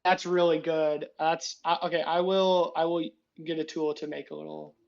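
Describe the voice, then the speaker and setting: Young guy dm'ing a tabletop game, high voice, kinda dull lo-fi sound, chatty. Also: flat delivery, moderate pace, vocal fry. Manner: loose, chatty, narrates actions and rulings. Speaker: dungeon master.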